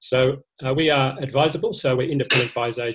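This man speaks at a fairly quick pace in a somewhat breathy voice. The background is quiet. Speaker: presenter. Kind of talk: webinar presentation. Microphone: webcam.

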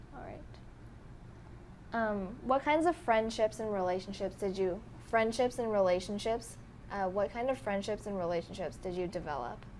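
There is light background noise as a woman talks at a moderate pace. Her voice sits at a medium pitch with ordinary pitch variation. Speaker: student interviewer. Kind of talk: oral history interview. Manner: halting. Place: home room.

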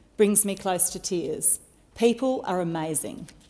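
The pace stays moderate. Pitch shifts in an ordinary way. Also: woman. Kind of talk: formal first speech. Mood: warm, emotional gratitude. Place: hall. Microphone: podium.

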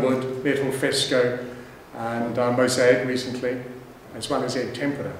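Against audible room echo and light background noise, a man with a New Zealand accent talks at a fairly quick pace. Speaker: iconographer and conference speaker. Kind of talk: lecture. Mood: calm, reflective, devout. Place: hall. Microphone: camera far.

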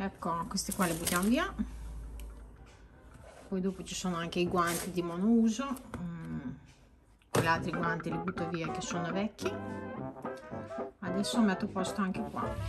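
Over music in the background, a woman talks with ordinary pitch variation and long, frequent pauses. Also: moderate pace. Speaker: home cleaning vlogger. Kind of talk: casual vlog chat. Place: home room. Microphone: phone near.

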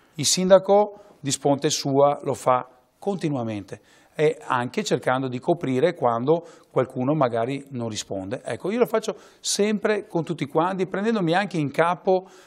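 A man's pitch swings very widely as he speaks at a moderate pace over a quiet background. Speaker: city mayor. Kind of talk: TV interview. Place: studio. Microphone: lapel.

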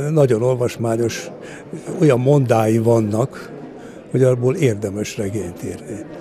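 The speech moves at a fairly slow pace with long, frequent pauses and ordinary pitch variation, in a dry sound with no echo and noticeable background noise. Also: man. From Hungary, Salgótarján (Nógrád county); Hungary. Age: old. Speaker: author. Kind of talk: interview. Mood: calm, warm. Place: hall. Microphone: handheld.

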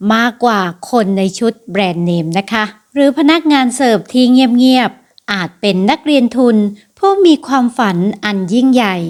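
Lively intonation from a woman with a high pitch. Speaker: self-help narrator. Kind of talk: self-help advice narration.

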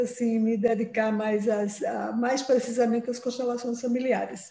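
Audible room echo hangs over speech delivered at a moderate pace. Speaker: course participant giving testimonial. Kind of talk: testimonial in an online class; personal testimony on a video call. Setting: video call. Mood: reflective, personal. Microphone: video call.

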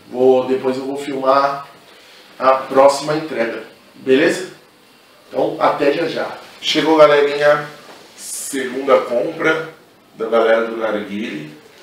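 At a very slow pace, a man talks in a fairly high voice with fairly even intonation, and audible room echo surrounds him. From Brazil, São Paulo. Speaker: YouTuber reviewing hookah products. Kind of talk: casual unboxing vlog. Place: home room.

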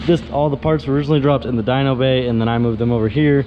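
A man talks in a fairly even tone while noticeable noise fills the background. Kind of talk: casual vlog chat. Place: garage. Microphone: phone near.

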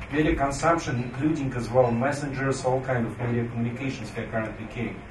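With noticeable background noise behind him, a man speaks at a fairly quick pace and ordinary pitch variation. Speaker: business executive. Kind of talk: panel discussion. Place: hall.

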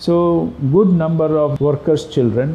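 Light background noise behind a man, his pitch variation ordinary. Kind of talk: interview answer. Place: office. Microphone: lapel.

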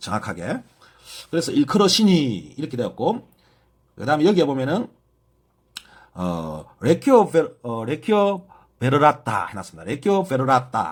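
A man speaks at a fairly high pitch and moderate pace, with very wide pitch swings, big swings in loudness and long, frequent pauses. The recording is very clean, with a silent background. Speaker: self-styled Bible translation lecturer. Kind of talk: lecture. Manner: halting with fillers.

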